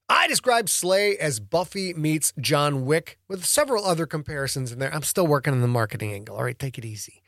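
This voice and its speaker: Theatrical man with a higher-pitched voice. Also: a bit bright, no echo, clean studio sound. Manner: theatrical, playful. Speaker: author and podcast narrator. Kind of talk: dramatic story reading and casual podcast talk.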